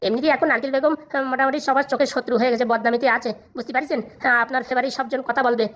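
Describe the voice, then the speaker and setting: Someone voicing a fast-talking, fawning cartoon lawyer. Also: high voice, fairly even intonation, fairly bright tone. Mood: scheming. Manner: obsequious, reassuring. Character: fawning, crafty lawyer advising his madam. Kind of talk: comedy cartoon dialogue.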